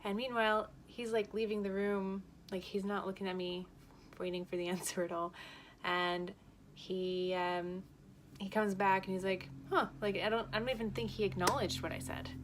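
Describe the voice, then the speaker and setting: A woman telling a personal story in a candid, chatty vlog, often breaking into laughter. She sounds shaken by vertigo. Her pitch sits in the middle, with a faint hiss behind her. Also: flat delivery, moderate pace. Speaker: vlogger. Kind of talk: casual storytelling to camera.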